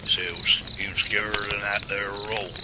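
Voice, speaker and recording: A man's voice: little pitch movement, a little fast, close to an everyday voice. A man playing a folksy old-timer, talking outdoors at night. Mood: plain talk. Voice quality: drawling, colloquial, deep. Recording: loud cricket night noise.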